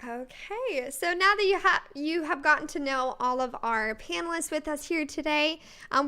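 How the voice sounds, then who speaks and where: A woman's voice: high-pitched, bright, forceful tone. A young woman moderating a student panel on a video call live stream, chatty and friendly with some fillers. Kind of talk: casual live stream hosting.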